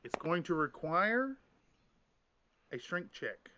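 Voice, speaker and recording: A man serving as game master for a streamed tabletop game, voice a touch high and sharply bright. He rambles through rulings, restarting sentences and filling gaps with ums. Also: very animated, takes it slowly, dull audio, slight background noise. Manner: rambling, many restarts and fillers.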